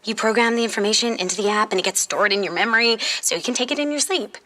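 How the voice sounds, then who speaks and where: In this piece of audio fiction, a woman acts as a sharp-tongued fifteen-year-old from the future who has seen it all, talking casually and sarcastically. Her pitch sits on the high side, her delivery is quick, pushed, and bright, and she comes across as confident and teasing.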